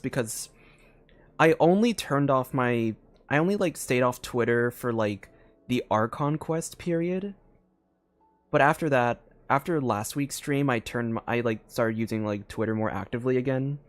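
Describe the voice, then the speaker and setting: Young man, game streamer, average pitch, casual rambling commentary, filler-heavy, soft music in background.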